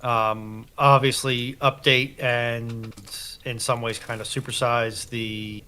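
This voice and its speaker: A man's voice: mid-range voice, level tone, takes it slowly, sharp tone. A man speaking as a panelist in a casual, geeky debate.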